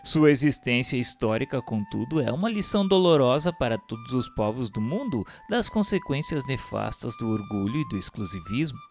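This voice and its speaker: A Brazilian man narrates in a mid-pitched voice, solemn and formal. He delivers the scripted religious text in a declamatory way, like an audiobook reading, with instrumental music behind him. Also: big pitch swings, normal speed, hardly any pauses.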